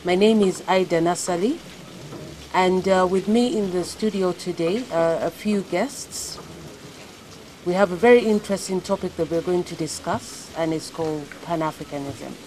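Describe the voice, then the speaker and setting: A woman hosting a morning talk show, steering her guests with measured questions. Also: on the low side, mellow, slight background noise.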